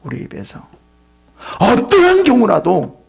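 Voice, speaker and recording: Male pastor, sermon, raspy and husky, high voice, lively delivery, loud to whispered. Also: a little slow, soft background music. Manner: animated preaching that swings from loud to whispered.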